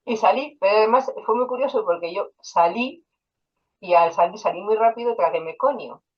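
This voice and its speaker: Being interviewed as a guest, a hypnotherapist with a mid-range voice speaks at normal speed. She tells personal stories in a casual manner, filled with quoted dialogue and fillers, and the audio is dull.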